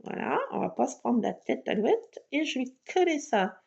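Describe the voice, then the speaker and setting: Gravelly chatty woman crafting. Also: high-pitched, big pitch swings, moderate pace, darkish tone, muffled recording. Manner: chatty and playful, self-mocking. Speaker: craft video maker. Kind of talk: casual crafting tutorial.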